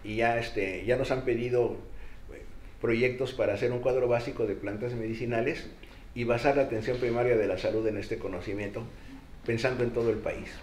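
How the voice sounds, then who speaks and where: A man's voice: mid-range voice, steady tone, a little fast, a little mellow. An older man with a Mexican accent, explaining things as a guest expert in a colloquial way. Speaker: guest expert, doctor and professor. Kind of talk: explanatory panel discussion. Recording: echoey room with faint noise.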